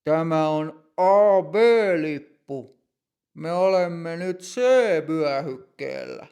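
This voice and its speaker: A man's voice: fairly high pitch, animated, creaky, a little mellow, clear, resonant tone. A man voicing a firm, stern ticket inspector in a short lesson dialogue.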